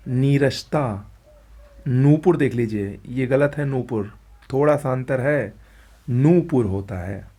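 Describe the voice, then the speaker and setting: A man teaching an exam-prep spelling lesson, briskly going through words and pointing at what is written on screen. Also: mid-range voice, dark tone, slightly rough.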